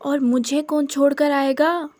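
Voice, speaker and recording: A woman's voice: high voice, level tone, a little slow, a little mellow. A sassy, sarcastic young woman, as a narrator puts her on.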